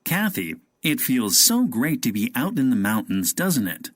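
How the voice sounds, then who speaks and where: A man voicing a father on a hike in a recorded listening-test dialogue, calm and measured. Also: mid-range voice, no room sound, clean studio sound, full character voice. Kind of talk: scripted exam dialogue.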